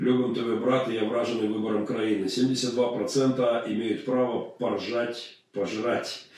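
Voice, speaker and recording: A man's very slow, monotone, flat delivery with very even loudness, hardly any pauses, audible room echo and noticeable background noise. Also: medium pitch for a man. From Ukraine. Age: 50s. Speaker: pastor. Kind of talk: live stream Q&A. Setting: home office.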